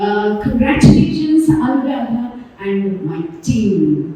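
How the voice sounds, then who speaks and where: Audible room echo and noticeable background noise surround a woman. Her medium-pitched voice makes very wide pitch swings. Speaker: school head. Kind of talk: event remarks. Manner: loud.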